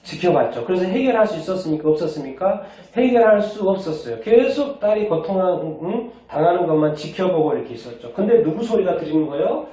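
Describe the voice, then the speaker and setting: A male pastor preaches a sermon in a church sanctuary, his high voice expressive, fast, and dark in tone, with hardly any pauses. He asks the congregation questions and answers them himself. The recording is distant, echoey, and dull.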